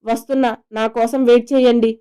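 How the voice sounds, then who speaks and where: A woman's voice: fairly high pitch, flat delivery, fast talker, warm tone, clear, resonant tone, lightly acted. A woman voicing a remorseful, eager young husband in a romantic audio story, speaking earnestly.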